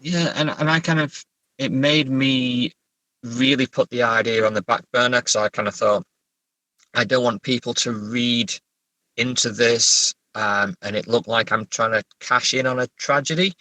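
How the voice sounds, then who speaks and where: A man's voice: mid-range voice, steady tone, moderate pace, pushed and bright, dry recording, poor audio. A middle-aged man with an English accent, an author being interviewed, talking casually in a hesitant, thoughtful, understated way. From England.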